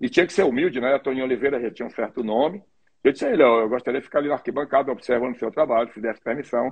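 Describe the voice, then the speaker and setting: Speaking at a very fast pace, a man of medium pitch shows ordinary pitch variation. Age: 60s. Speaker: football coach and fitness trainer. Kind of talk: interview.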